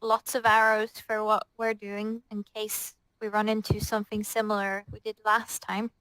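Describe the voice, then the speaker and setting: A woman takes part in a tabletop roleplaying game. She speaks casually at a medium pitch, in and out of character, with a dry sound free of room echo. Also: completely flat delivery, moderate pace, bright, forceful tone.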